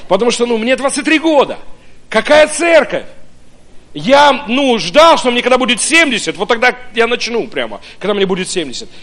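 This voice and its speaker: A pastor from Ukraine preaching a sermon, telling his own story in an animated way with many hesitant fillers. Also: very high voice, moderate pace. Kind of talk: sermon with personal testimony.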